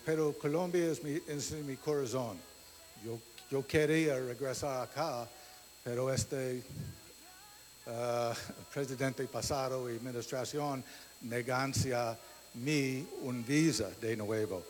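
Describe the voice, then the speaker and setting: A man giving a testimony in a church hall, his speech slow and unhurried. He gropes for words in imperfect Spanish, filling gaps with "eh", while a long reverb trails behind him. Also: medium pitch. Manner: slow, searching for Spanish words, many fillers. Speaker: guest church member. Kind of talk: halting testimony in a second language. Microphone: handheld microphone.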